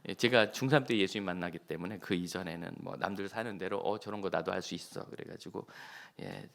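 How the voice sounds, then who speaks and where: A man's voice: low voice, a little fast, vocal fry, a bit bright. Male pastor, middle-aged, friendly chatty sermon delivery with playful asides. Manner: conversational, jokes with the congregation.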